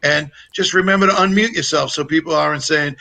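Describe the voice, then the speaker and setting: A man coaching people on public speaking, with a bright, gravelly voice that sits a little high. He explains things plainly and keeps it light. He is on a video call with a clip-on mic. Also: fairly quick. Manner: practical, explanatory, jokes easily. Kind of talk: casual coaching advice on a livestream. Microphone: lapel mic on a video call.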